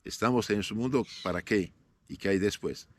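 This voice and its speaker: A man in his fifties, born in northern Syria with Aramaic as his first language, answering interview questions as a priest in a measured way, often pausing with fillers. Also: on the low side, breathy edge. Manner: measured, halting with frequent "eh" fillers and restarts.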